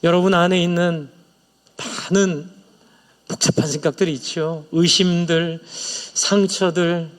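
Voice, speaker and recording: A man's voice: fairly high pitch, steady tone, a little slow, clear, resonant tone, big-room sound. A male pastor preaching a sermon in a church, earnestly sharing personal confessions and leading the congregation in prayer. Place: church sanctuary.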